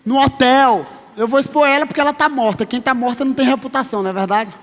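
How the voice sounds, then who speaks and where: A man in his thirties preaching a sermon as pastor, emphatic, slowing down to stress his words and calling listeners brother. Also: very high voice, a bit bright. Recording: long reverb of a large hall.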